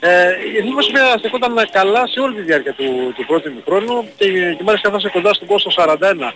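A man's voice: high voice, expressive. A man phoning in a live match report, hesitant with many fillers. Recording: noisy phone line.

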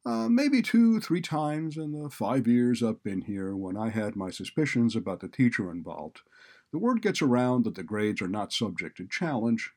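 A man's voice: medium pitch, big pitch swings, moderate pace, darkish tone. A man voicing a cynical, bullying college administrator who talks in a blunt, sardonic, browbeating way. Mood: cynical, breezy.

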